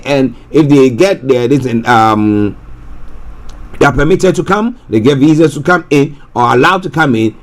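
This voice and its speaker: A man from Ghana, giving talk radio commentary in a rambling way, restarting and repeating himself. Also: a little high. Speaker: radio presenter.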